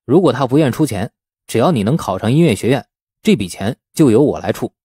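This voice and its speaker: A man voicing an encouraging, easygoing young man, lively intonation. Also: medium pitch, brisk, husky, no echo, clean studio sound. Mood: earnest.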